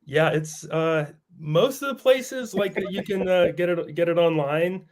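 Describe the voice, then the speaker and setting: A man being interviewed as an author guest, slightly raspy from a cold, friendly, laughing easily and repeating words. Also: a little high, a little slow.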